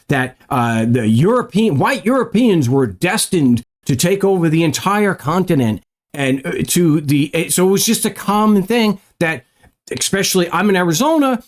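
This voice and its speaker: A man with an American accent giving a casual, halting monologue as a video host, often rambling and repeating his words. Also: high-pitched. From North America.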